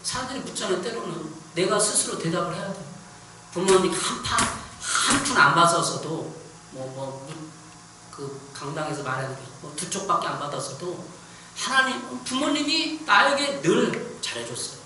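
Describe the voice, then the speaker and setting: A man's voice: high-pitched, expressive, moderate pace, distant mic. A male pastor delivering a sermon, preaching emphatically and firing rhetorical questions at his congregation. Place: church sanctuary. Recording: echoey hall, voice from off the mic, faint noise.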